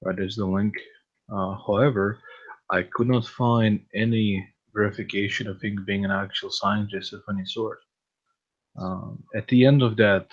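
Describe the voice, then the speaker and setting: Low, even-toned male guest on lo-fi call. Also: husky. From born in the USSR. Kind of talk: hesitant casual explanation. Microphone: online voice call. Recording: dull lo-fi voice call.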